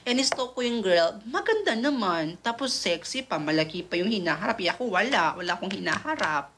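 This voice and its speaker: A man's voice: sits high, big pitch swings, a little fast, fairly bright tone. A gay man of twenty-one, host of a livestream, rambling through a story to his viewers with many fillers and restarts. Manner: camp, calls viewers "bakla".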